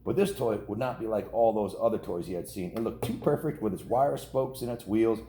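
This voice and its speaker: An American man in his fifties reads a story to kids in a low, very mellow voice. His delivery is folksy and informal, slipping into casual asides and correcting himself as he goes. The room adds noticeable echo. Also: brisk. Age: 50s. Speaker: storyteller reading a children's book to kids. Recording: roomy echo with faint background noise.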